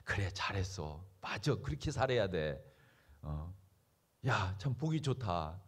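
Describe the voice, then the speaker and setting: A pastor voicing the Holy Spirit as a gentle, fatherly inner voice that chides and praises softly. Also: huge pitch swings, fast, breathy edge, heavily acted. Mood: warm approval. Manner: low, soft, fatherly chiding and praise.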